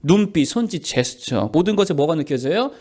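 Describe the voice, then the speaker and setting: A man's voice: fairly high pitch, animated, brisk, mellow. A man preaching a sermon as pastor, asking the congregation questions and answering them himself.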